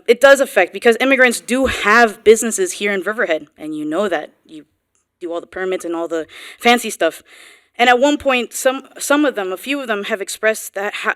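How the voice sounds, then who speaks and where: Young woman, from guatemala, smooth voice, dry sound, earnest, informal, halting restarts. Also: medium pitch, fairly bright tone, dry recording. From Guatemala, raised on Long Island's East End. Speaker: local resident speaking at public comment. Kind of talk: public comment at a town board meeting. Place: town hall meeting room.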